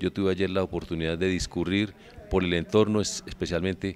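A man speaks at a very deep, low pitch and a moderate pace. His pitch varies in an ordinary way. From Colombia, coffee region (Manizales). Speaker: travel agency representative. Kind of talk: interview.

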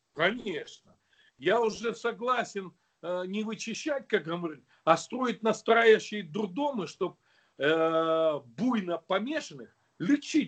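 A man with a high voice speaks very slowly, his intonation lively and his loudness swinging widely. The background is quiet. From Ukraine, Kherson region; Ukraine. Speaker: politician. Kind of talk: interview. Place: home room. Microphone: video call.

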